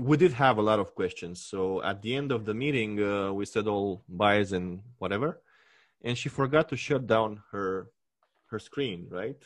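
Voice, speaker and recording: A man with a Romanian accent speaks at a moderate pace, his fairly low voice rising and falling in an ordinary way. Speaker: podcast host. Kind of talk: casual interview chat.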